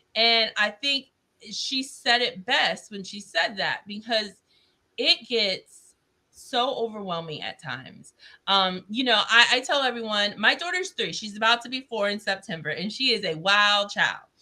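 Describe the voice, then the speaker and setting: Loud and lively in intonation, a woman speaks with a bright, sharp tone. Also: fairly high pitch for a woman, fairly slow pace. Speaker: industry professional. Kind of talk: podcast interview. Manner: intense.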